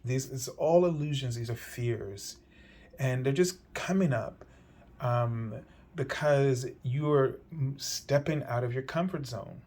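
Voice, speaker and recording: Man giving a gentle, rambling tarot reading. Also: medium pitch, takes it slowly. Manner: meandering, gentle, many fillers and restarts. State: slightly hoarse. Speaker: tarot reader. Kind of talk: weekly tarot card reading.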